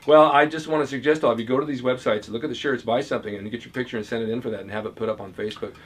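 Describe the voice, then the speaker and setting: Fast-talking male interview host. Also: mid-range voice, steady tone. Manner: quick, agreeable, encouraging. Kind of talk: casual interview talk.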